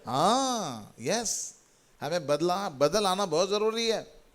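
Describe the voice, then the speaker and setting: A man's voice: sits high, lively intonation, slow pace, fairly bright tone. A middle-aged man preaching a sermon as a pastor, repeating phrases and calling out hallelujah to the congregation. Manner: repetitive, exhorting, calls out hallelujah.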